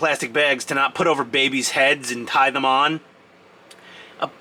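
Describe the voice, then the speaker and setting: Speaking at a moderate pace with a New York accent, a man keeps a fairly high pitch and fairly even intonation. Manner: casual, rambling, many filler words.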